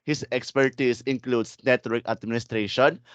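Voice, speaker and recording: A man's voice: mid-range voice, steady tone, moderate pace, no room sound. A man with a Filipino accent hosting a webinar, switching between light chat and read-out introductions. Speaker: webinar host. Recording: dull, compressed online call audio.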